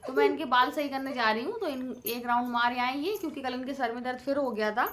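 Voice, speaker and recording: A woman's voice: high voice, quick pace, a bit bright. A woman in her thirties talking casually in a family vlog, chatty and rambling with many fillers. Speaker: vlogger.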